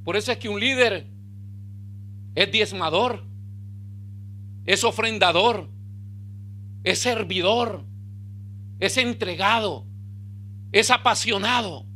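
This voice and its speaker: A male pastor, preaching a sermon with bursts of emphasis and quiet low asides. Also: takes it slowly, long pauses, slightly rough.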